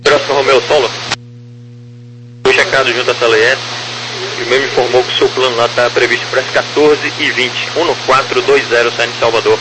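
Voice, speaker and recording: Over a noisy, crackly radio like a military channel comes a Brazilian man's voice, medium in pitch and very even. He is an air traffic controller, reading out clipped procedural clearances in set phraseology. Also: a little fast. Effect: aviation radio.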